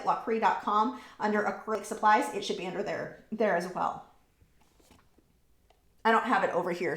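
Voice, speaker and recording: A casual, chatty woman talks her way through a live painting lesson at a mid-range pitch. She reads out viewer questions and answers them as she paints. Her voice carries a noticeable room echo. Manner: casual, chatty, reading viewer comments aloud. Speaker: art instructor. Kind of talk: live painting tutorial with chat.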